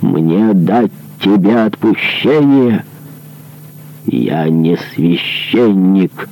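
Vengeful monk, male reader doing him low, slow and gravelly, quietly menacing. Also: full character voice, low-quality recording. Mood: cold menace. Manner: hushed, menacing and demanding. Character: stern, vengeful male monk, cold and relentless.

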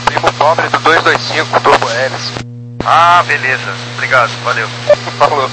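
A man with a Brazilian accent, an airline pilot heard over a cockpit radio headset, speaking to air traffic control in a relaxed, joking way. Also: a little high, normal speed. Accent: Brazilian Portuguese. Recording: noisy aviation radio channel.

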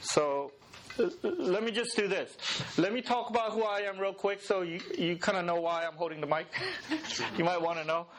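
A man's voice: sits high, normal speed. A middle-aged man who was born in Korea and raised in the US, giving a chatty, laughing talk to an audience and often checking in with the crowd. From Korea, raised in the USA. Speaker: speaker at a mission gathering.

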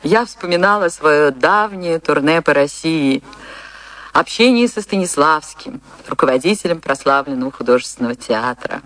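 An actress playing a passionate, dreamy woman dancer reminiscing in a theatrical radio drama, expressive and full of dramatic pauses. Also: low voice. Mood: wondering. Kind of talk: theatrical Russian radio drama, monologue and dialogue.

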